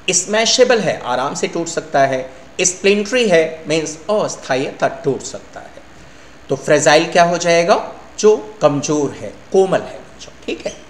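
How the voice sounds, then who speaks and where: A middle-aged male English teacher explaining word meanings to his students in Hindi, asking and answering his own questions. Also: fairly high pitch. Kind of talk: vocabulary lesson. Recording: echoey room, faint hum.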